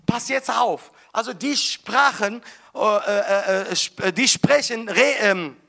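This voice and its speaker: A man delivers a sermon with fervent emphasis, swinging from loud bursts to hushed storytelling. His voice sits a little high and sounds bright and forceful, and he talks slowly, often restarting and repeating words. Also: creaky. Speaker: preacher.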